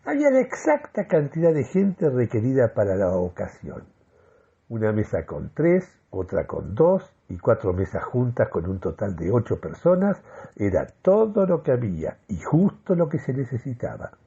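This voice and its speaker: An actor playing a euphoric, deluded man who solemnly delivers a grandiloquent radio monologue with deliberate, dramatic pauses. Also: mid-range voice, wildly swooping pitch, vocal fry, warm tone, slightly rough, highs cut off, heavily acted. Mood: satisfied, deadpan. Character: euphoric, deluded man convinced of mystical energy communication. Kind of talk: theatrical first-person radio monologue.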